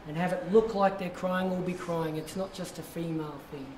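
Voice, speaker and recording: A man coaches his acting class, encouraging and drawn-out. His voice sits a little high. He is heard from across an echoey, noisy studio. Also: fairly even intonation. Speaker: acting teacher. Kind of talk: guiding a class warm-up. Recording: echoey room, distant mic, noisy.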